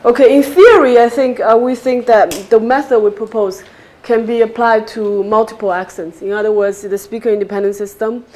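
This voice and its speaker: A woman with a Cantonese accent, fielding audience questions after her lecture and explaining with quick examples. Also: on the high side, a little mellow. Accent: Cantonese-accented English. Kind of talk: academic Q&A after a talk. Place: lecture hall. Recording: echoey lecture hall with faint noise.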